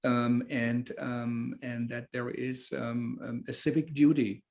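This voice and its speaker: A man hosting a thoughtful, casual interview, speaking in a halting, loosely phrased way as he works through his questions. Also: mid-range voice, level tone, gravelly, a little mellow. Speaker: host, interviewer.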